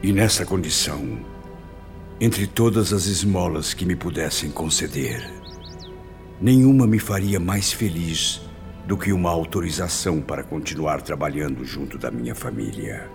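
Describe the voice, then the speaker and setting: A humble father's spirit pleads earnestly in a radio drama. His voice is very low, and music plays clearly behind it. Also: lively intonation, normal speed. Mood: humble pleading.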